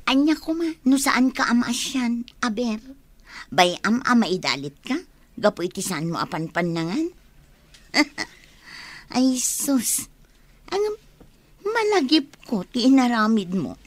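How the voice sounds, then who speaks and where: An actress playing a cheerful friend who teases and laughs in a family drama. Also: female voice, on the high side, big pitch swings, unhurried, pauses often, no room sound. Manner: teasing, laughing. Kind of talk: Ilocano radio drama acting.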